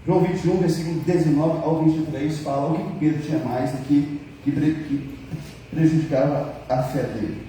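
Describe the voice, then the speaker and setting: A man's voice: fairly high pitch, steady tone, moderate pace, mellow, a little hiss or hum. A man with a Brazilian accent preaching a sermon to his church, joking with the congregation and acting out the dialogue he tells. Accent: Brazilian Portuguese. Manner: jokes with the congregation; acts out quoted dialogue. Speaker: pastor. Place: church hall. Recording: very echoey hall, mic far off.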